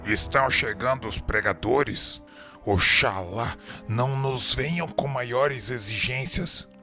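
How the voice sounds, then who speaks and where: An actor playing a cruel, resentful tormenting spirit in a sardonic manner for a radio drama. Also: male voice, medium pitch, slow, sharp tone, faint music behind. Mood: scornful, resentful. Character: cruel, scornful male obsessing spirit, discreetly grumbling.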